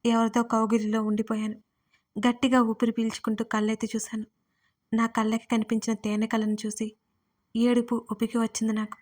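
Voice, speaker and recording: A woman's voice: on the high side, monotone, fairly quick, a little mellow. A woman narrating an emotional first-person audio story with a dramatic storytelling manner.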